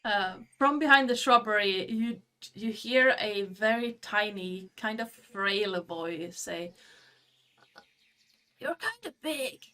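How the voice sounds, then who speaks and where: A woman's voice: medium pitch, slow, hardly any pauses, sharp tone, smooth. A woman narrating as game master in a tabletop game, speaking hesitantly with many fillers.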